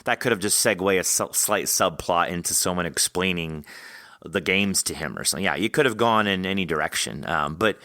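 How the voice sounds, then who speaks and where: Bright-voiced, low-pitched man. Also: fairly quick, dry recording, studio quality. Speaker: podcast host interviewing an author. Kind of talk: casual podcast chat.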